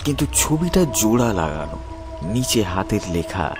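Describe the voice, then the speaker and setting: A man reads a horror story with dramatic suspense. His voice sits very low and moves expressively across its range. Prominent music plays behind him. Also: very animated, unhurried. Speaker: narrator. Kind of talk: scripted horror story narration.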